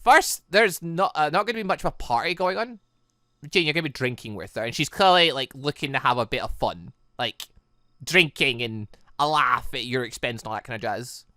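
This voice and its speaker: A man's voice: mid-range voice, lively intonation, fairly quick, pushed and bright, no echo, clean studio sound. A man giving casual, rambling let's-play commentary on a visual novel, chatting and reading dialogue aloud as the channel's host.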